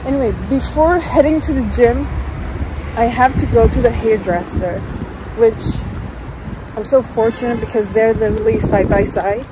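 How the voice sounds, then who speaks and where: A woman's voice: on the high side, moderate pace, background noise. A young woman from Turkey with a Turkish accent, chatting casually to her phone camera in English and dropping in Turkish words, a bit self-deprecating. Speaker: vlogger. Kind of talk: casual vlog chat. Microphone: phone held in hand.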